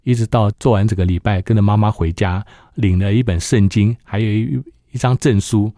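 A man's voice: fairly low pitch, brisk, mellow, dry recording, clean studio sound. A middle-aged man giving a personal faith testimony, telling his story and acting out what others said. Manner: storytelling that acts out the dialogue of others. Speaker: church member giving testimony.

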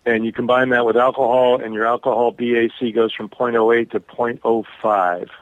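A man calling in to a radio show over a bad phone connection, speaking haltingly with many pauses and restarts. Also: medium pitch, level tone, dry recording. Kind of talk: call-in radio interview. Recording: tinny dry phone line.

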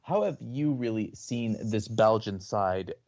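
Low mellow male co-host, muffled. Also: unhurried, gravelly. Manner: long rambling questions. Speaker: podcast co-host. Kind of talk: casual podcast interview.

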